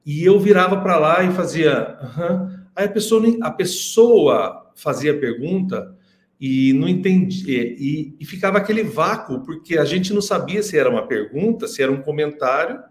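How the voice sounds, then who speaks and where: A man's voice: fairly high pitch, normal speed, roomy sound. A man, a singing teacher telling stories casually on a live stream, laughing often and acting out what others said. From Brazil. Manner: animated, laughing storyteller who acts out quotes.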